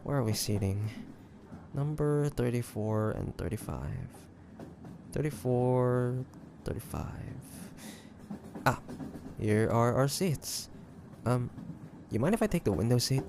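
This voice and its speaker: A man playing an earnest, guilt-ridden demon hunter in an audio roleplay, speaking gently and haltingly to the listener. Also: medium pitch, very animated, vocal fry, noisy background, full character voice. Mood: relaxed, tentative. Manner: hesitant, halting, soft-hearted delivery with pauses. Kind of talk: dramatic audio roleplay acting addressed to the listener.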